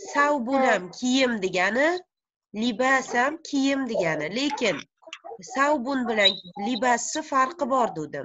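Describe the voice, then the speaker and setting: Her voice sits high and swings very widely in pitch as the woman speaks at a fairly slow pace. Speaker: Arabic teacher. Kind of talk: online language lesson. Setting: video call. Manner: formal, instructive.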